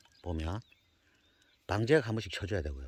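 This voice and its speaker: A man with a fairly low pitch talks at a very fast pace in an animated tone, his pitch swinging very widely, recorded dry and close with no echo. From South Korea, a city. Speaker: organic farmer. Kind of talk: tutorial. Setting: outdoors.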